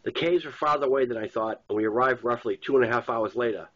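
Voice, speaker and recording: Here the author of a first-person novel reads it himself, fast, in a medium-pitched and fairly bright voice with a Boston accent. He narrates plainly, sometimes stumbling, on a dull lo-fi recording.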